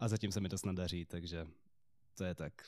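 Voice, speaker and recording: A man speaks in a very deep, low voice with a flat, monotone delivery. The recording is very clean, with a silent background. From Brno, Czechia. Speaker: student. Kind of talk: casual chat.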